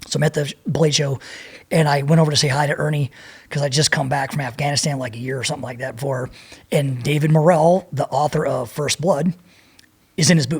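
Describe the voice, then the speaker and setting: The man's voice is somewhat breathy with a fairly high pitch. He talks at a fairly quick pace with fairly even intonation. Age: 50s. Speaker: war veteran and knife maker. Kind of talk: casual chat.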